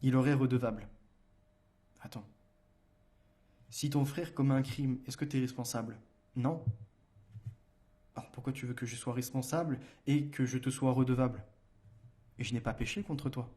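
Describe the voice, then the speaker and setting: A man's voice: medium pitch, steady tone, moderate pace, pauses often, warm tone. A man hosting a solo commentary show. He argues and challenges listeners with rhetorical questions, reads book passages aloud, and often hesitates and restarts. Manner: argumentative, addresses listeners directly with rhetorical questions.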